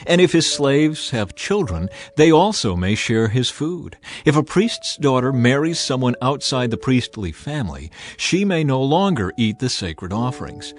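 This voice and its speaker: A man narrating scripture as a dramatized audio reading, solemn, measured and authoritative in his delivery. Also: medium pitch, big pitch swings. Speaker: Bible narrator.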